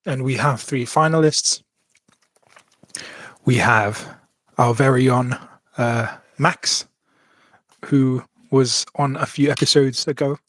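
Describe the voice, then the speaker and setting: A man of middle pitch hosts a podcast, relaxed and upbeat as he chats with his co-host. The sound is close and dry, with no room around it. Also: slow pace, pauses often, no room sound. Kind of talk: casual chat.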